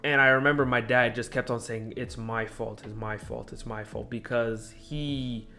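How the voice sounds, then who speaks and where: A young man talks as a podcast guest, sitting in the middle of the male range. His telling is halting and disjointed, doubling back over his words. A faint music bed runs underneath. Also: medium pitch, fairly even intonation, gravelly, bright, forceful tone. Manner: halting, disjointed storytelling with many restarts. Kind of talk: casual conversation.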